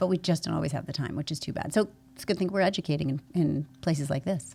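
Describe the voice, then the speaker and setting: Very deep, low-pitched woman's voice, dark and mellow with vocal fry, ordinary pitch variation, and a very fast pace. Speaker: gynecologist. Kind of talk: casual chat.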